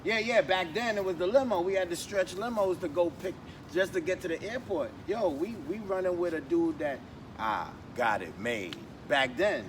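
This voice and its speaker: A man recalls old days in a loose, rambling way, full of ums and restarts. He sits back from the mic, and the sound is thin and distant. Street noise runs clearly behind him. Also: sits high, animated, moderate pace. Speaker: podcast guest. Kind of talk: casual storytelling chat.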